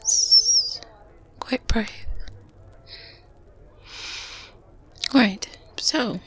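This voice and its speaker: A woman playing a kindly, wise older witch in a softly spoken, whispered ASMR roleplay, with gentle, pensive pauses. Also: a little high, full character voice. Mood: gentle, cautioning. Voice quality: soft, breathy, mostly whispered. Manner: unhurried, gentle, pensive, with murmured hums and pauses. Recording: faint ambient noise bed. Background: medieval ambience sounds.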